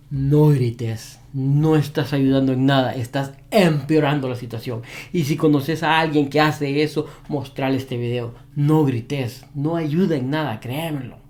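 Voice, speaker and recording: A man's voice: mid-range voice, a little mellow. A man who trains dogs giving an advice monologue to camera, repeating his key points with emphasis. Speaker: dog behavior trainer.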